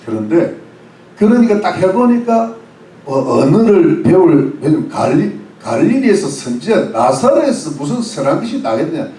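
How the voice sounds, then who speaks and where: High lively pastor guy preaching, mellow tone, echoey church, mic kinda far. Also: normal speed. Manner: explains word by word, mixing English phrases; asks the congregation questions. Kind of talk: sermon.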